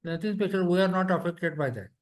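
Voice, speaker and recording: A man's voice: high-pitched, lively intonation, quick pace. A man with an Indian accent answering investor questions on an earnings call as a company executive, emphatic and repeating his phrases.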